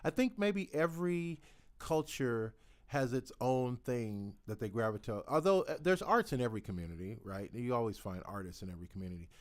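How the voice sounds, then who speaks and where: A man's voice: mid-range voice, lively intonation, a little fast. A man hosting a talk show, asking questions in a rambling, jokey way. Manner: jokey, rambling, wide-swinging intonation. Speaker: podcast host. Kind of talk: casual interview chat. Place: podcast studio.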